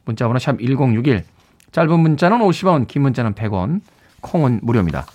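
A man's voice: mid-range voice, sing-song, quick pace, a little mellow, husky. A man hosting a radio show, chatting in a friendly way and reading out listener messages from a studio. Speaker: radio host. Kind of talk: radio DJ talk.

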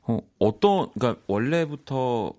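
Male music radio host, medium pitch, very varied intonation, casual interview style. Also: sing-song, measured pace, mellow. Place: radio studio. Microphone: studio microphone.

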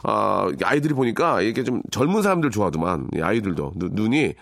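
A man's voice: fairly low pitch, sing-song, fast, gravelly, no room sound, studio quality. A middle-aged man hosting a radio show, reading listener messages and chatting about them with wry asides and constant filler words. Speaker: radio DJ host. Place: radio studio. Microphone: studio microphone.

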